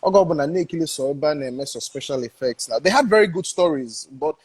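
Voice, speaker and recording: Husky Nigerian man, excited chat. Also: a little high, fast talker, poor audio. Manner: enthusiastic, repeats himself, laughs often. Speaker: guest film director. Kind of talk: casual interview chat mixing English and Igbo.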